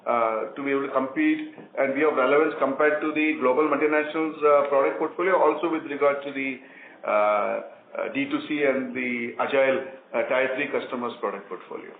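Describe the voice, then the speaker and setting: A man answering questions as a company executive on an earnings call, explaining in halting, repetitive phrases. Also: mid-range voice, fairly even intonation. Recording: tinny phone line, roomy echo, faint noise.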